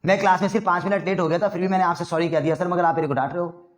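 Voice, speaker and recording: A man's voice: high-pitched, steady tone, very fast, natural voice. A man voicing a defensive young male student who argues back at his teacher in a protesting tone. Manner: protesting, argumentative. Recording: roomy echo.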